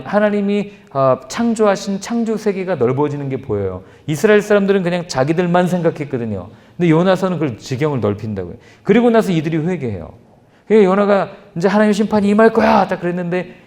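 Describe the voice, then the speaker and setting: A man, a pastor giving an animated Bible lecture, acting out quoted lines in changing voices. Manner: lively, acts out quoted lines with shifting pitch. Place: church.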